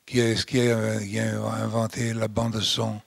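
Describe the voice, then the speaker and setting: A man's voice: on the low side, completely flat delivery, a little slow, vocal fry, slightly rough, no echo. An older man from Italy speaking French with an Italian accent, giving a lecture with many fillers and restarts. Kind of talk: closing lecture.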